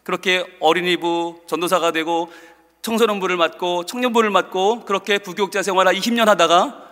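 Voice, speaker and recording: Brief: high, bright male preacher, storytelling sermon, reverberant church. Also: a little fast. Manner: animated, acts out quotes. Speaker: pastor. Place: church sanctuary.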